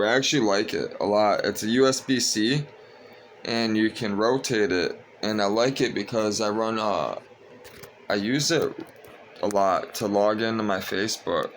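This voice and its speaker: A young man talking casually to his viewers at home, sleepy and monotone, rambling with lots of fillers. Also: lowish voice, a little hiss or hum. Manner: monotone, meandering, frequent fillers. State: tired, sleepy. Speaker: vlogger.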